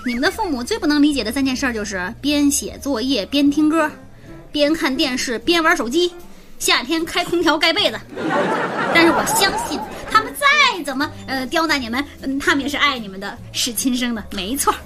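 A woman's voice: high voice, brisk, soft background music, some chatter behind. A woman hosting a radio comedy chat show from a studio, telling funny stories and bantering with her guests. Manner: lively storytelling, bantering. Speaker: radio host.

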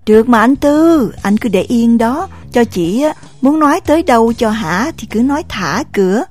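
A woman voicing a poised young woman with a Southern Vietnamese accent, soft and measured, who stays unruffled. Her voice sits a little lower than her sharp rival's, with light music behind. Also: animated. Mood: calm. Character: calm, composed young woman, quietly defiant. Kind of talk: audio drama acting.

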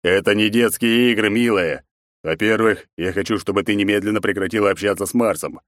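A man's voice: fairly low pitch, fairly quick, fairly bright tone, no echo, studio quality, natural voice. A man voicing a weary, commanding emperor who lectures his daughter in an audiobook. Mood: stern. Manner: stern, commanding. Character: stern aging emperor and father, weary and commanding.

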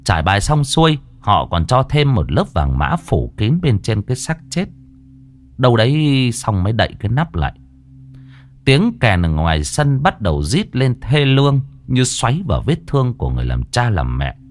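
A man narrating a ghost story in a lively, expressive way. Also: medium pitch, moderate pace.

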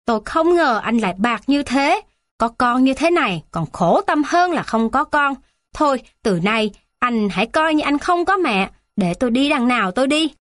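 Woman voicing old grandma, higher than the narration, reproachful, dry. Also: expressive, normal speed, a bit bright, dry recording. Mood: hurt, reproachful. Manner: pleading, reproachful. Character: old grandmother, remorseful then wounded and tearful.

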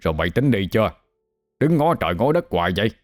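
A man voicing a gruff older village grandfather in a storybook, scolding in a hurry. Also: low voice, lively intonation, fairly quick. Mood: gruff hurried.

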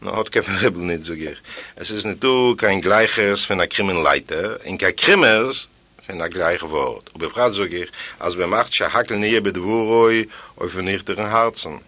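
A man's voice: deep voice, normal speed, no room sound. A man reading a first-person tale aloud as an audiobook, telling it with sighs and exclamations. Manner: animated storytelling with sighs and exclamations. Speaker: audiobook reader.

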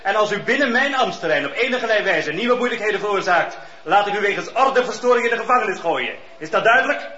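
A stern chief magistrate. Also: male voice, sits high, expressive, fast, pushed and bright. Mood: commanding. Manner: formal, commanding. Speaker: judge. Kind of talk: radio play acting. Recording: dull, echoey old radio recording.

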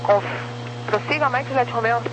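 A woman's voice: fairly high pitch, unhurried. A Brazilian woman working as an air traffic controller, giving clipped procedural instructions over the radio.

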